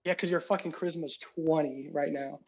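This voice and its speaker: High-voiced young man running the game. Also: steady tone, fairly quick, vocal fry, darkish tone, husky, highs cut off. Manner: loose, chatty, narrates actions and rulings. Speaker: dungeon master. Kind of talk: narrating a tabletop game.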